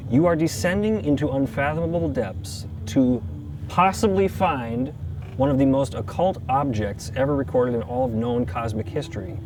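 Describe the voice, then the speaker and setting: A man's voice: medium pitch, normal speed, distant mic, background noise. A man narrating an improvised tabletop game as game master, in ornate, theatrical language.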